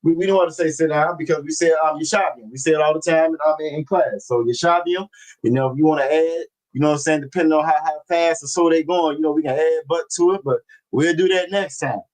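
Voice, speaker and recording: A man's voice: fairly high pitch, a little mellow, poor audio. Man teaching an online class, repetitive filler. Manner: repeats phrases, constant "you know what I'm saying"; slow, deliberate scripture reading. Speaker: religious language class teacher. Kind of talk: evening class teaching and scripture reading.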